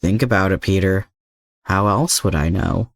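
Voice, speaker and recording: Guy doing a calm older mercenary bad guy, lowish, manipulative, coaxing, audiobook. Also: moderate pace, no room sound, studio quality. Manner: composed, coaxing.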